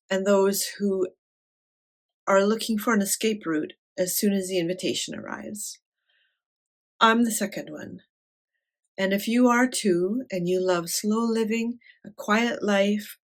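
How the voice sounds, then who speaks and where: A woman with a quiet voice talking casually to camera about her life, light-hearted and honest in manner. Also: mid-range voice. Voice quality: quiet voice that does not carry. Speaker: artist sharing life advice.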